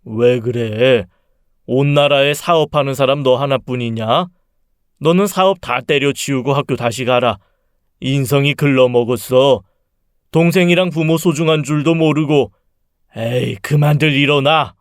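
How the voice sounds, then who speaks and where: Proud, gruff older father, read by a man, clear and close in a story reading. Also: mid-range voice, measured pace, dry recording, lightly acted.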